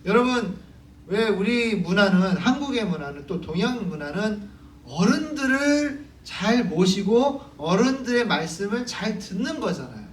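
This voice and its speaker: A pastor preaches a conversational Sunday sermon in a church sanctuary, asking the congregation questions and acting out stories and quotes. His voice is high-pitched and sing-song at a measured pace. The echoey hall is recorded from far off, with slight background noise.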